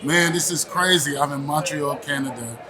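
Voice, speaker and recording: A man from Texas, a nonprofit founder and director, speaking with excited pride in a conference testimonial. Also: on the high side, normal speed, music in the background. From Houston, Texas. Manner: excited, proud, emphatic. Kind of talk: short testimonial interview. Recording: crowd chatter behind.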